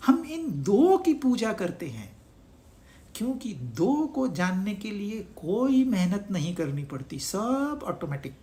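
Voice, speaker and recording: Spiritual teacher, unhurried, lively melody, rhetorical questions, scripture talk. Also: medium pitch. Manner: asks the listeners rhetorical questions; mixes in English words. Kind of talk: Hindi discourse on scripture.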